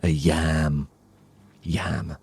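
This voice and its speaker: A British man telling a story as an English teacher, with deliberate, simple phrasing and frequent pauses for learners. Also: rumbling low, flat delivery, gravelly, darkish tone, husky, dry recording.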